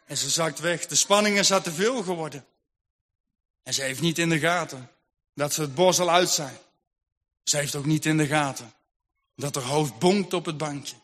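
Bright-voiced male storyteller with hall reverb. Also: a little high, normal speed, long pauses. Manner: vivid, rhythmic telling with lists. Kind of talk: dramatic Christian story narration. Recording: long hall reverb, faint music.

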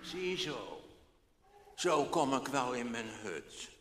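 A man voicing a kind, slow old man who speaks gently and coaxingly. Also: medium pitch, sing-song, a little hiss or hum, voice pushed down. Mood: weary. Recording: echoey hall, faint background.

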